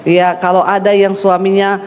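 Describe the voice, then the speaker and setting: A woman's voice: mid-range voice, monotone, normal speed, darkish tone. A middle-aged woman pastor preaching a sermon, telling stories and acting out quoted voices with blunt force. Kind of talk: sermon with storytelling. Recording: echoey hall reverb.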